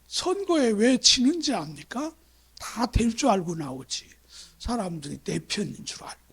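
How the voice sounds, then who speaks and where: In a church sanctuary, a pastor from Chungcheong, South Korea, preaches conversationally, telling stories and posing rhetorical questions to his congregation. His voice is high-pitched, very animated, fairly bright and slightly rough, at a moderate pace.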